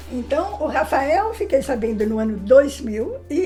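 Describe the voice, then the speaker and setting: Music sits behind the speech. A woman talks at a moderate pace. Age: 70s. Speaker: mother of the host. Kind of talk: interview.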